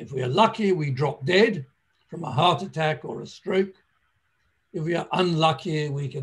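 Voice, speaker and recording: A man's somewhat breathy voice moves with ordinary pitch variation. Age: 70s. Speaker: neurosurgeon. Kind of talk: lecture.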